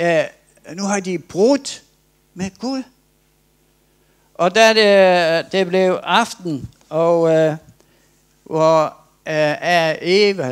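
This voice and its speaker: Male preacher, slightly high, hesitant storyteller in a church sermon. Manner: storytelling, hesitant with frequent restarts.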